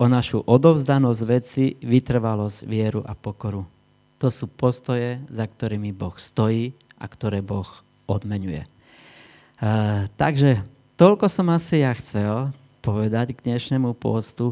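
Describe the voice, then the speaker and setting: On a very clean recording with a silent background, a man speaks at a fairly slow pace in a dark, mellow tone of medium pitch with ordinary pitch variation. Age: 60s. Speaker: pastor. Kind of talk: sermon.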